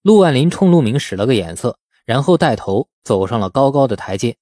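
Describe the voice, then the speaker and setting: A man's voice: mid-range voice, big pitch swings, fairly quick, warm tone, dry recording, clean studio sound. A man narrating a novel as a scripted audiobook in a storytelling style.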